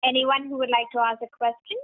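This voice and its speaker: A woman's voice: high-pitched, little pitch movement, fast talker. A woman making scripted conference call announcements as the operator, in a polite, formal call-centre manner over a phone line. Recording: tinny narrowband phone line.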